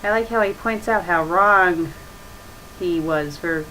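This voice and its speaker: A woman's voice: fairly low pitch, slow pace, bright, forceful tone. A woman casually reading aloud and critiquing as a web show host, blunt and nitpicking, recorded on a webcam microphone. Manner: blunt, nitpicking, mildly profane. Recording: noisy webcam microphone with ambient hiss.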